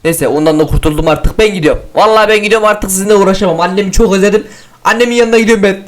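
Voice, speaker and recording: A young man narrates his gameplay at a rapid clip in a high, boyish voice. He jokes constantly and bursts into loud, excited shouts. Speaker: gaming YouTuber. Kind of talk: playful gameplay commentary.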